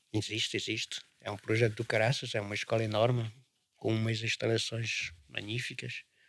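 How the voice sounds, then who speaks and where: A man at medium pitch, monotone and flat in intonation, at a moderate pace. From northern Portugal. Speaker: circus artist and rigger. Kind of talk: podcast interview answer. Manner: casual, chatty.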